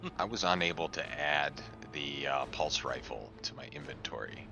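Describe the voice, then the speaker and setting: A man's voice: very deep voice, a little fast, gravelly, sharp tone, lo-fi sound, faint music behind. A man taking part in a tabletop roleplaying game, talking casually about his moves.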